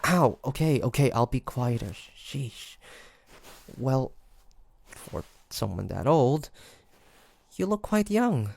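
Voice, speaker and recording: A man playing a guarded, sardonic young demon hunter with a soft side, in a hesitant, stammering roleplay audio drama. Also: medium pitch, gravelly. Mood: teasing. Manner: hesitant, stammering, teasing, sighing. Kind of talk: roleplay audio drama, one-sided dialogue.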